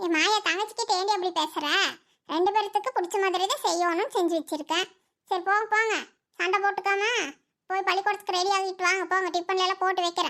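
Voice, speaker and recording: Using a cartoonish character voice, a woman talks at a moderate pace with an extremely high pitch and fairly even intonation. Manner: chatty, homely, sharp-tongued.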